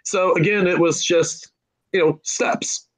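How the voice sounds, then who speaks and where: A man with a fairly high voice talks in a relaxed panel discussion. He explains things step by step in a conversational, storytelling author's way. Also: slow pace, low-quality recording.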